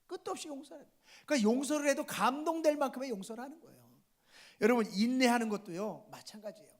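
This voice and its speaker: A man's voice: very high-pitched, quick pace. A male pastor preaching a sermon, appealing to the congregation again and again. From South Korea.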